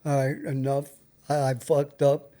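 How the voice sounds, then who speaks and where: A man's voice: mid-range voice, little pitch movement, a little slow, warm tone. A man hosting a casual chat show with a blunt, informal way of talking. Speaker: show host.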